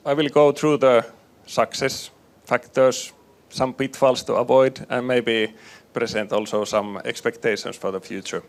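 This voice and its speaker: A man from northern Finland, a hospital innovation manager, giving a measured panel presentation with frequent fillers into a conference microphone. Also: mid-range voice. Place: conference room with live panel. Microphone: handheld or table microphone.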